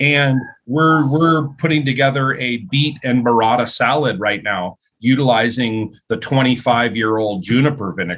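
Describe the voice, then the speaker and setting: A man speaks in an unremarkable speaking voice at medium pitch, with ordinary pitch variation and a fairly slow pace. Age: 50s. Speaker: chef and restaurant owner. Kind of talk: interview.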